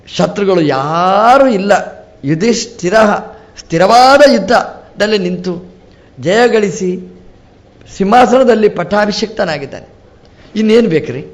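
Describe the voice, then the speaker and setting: A man, a swamiji, giving a storytelling religious discourse with lively rises and drops and acted-out dialogue. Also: sits high. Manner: animated, rising and falling sharply, quoting characters in dialogue. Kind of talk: storytelling sermon.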